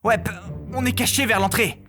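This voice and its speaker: A man's voice: extremely high pitch, steady tone, moderate pace, pushed and bright, voice pushed up. A man voicing a determined, impatient young male space adventurer in informal, insistent visual novel dialogue. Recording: music bed under the voice.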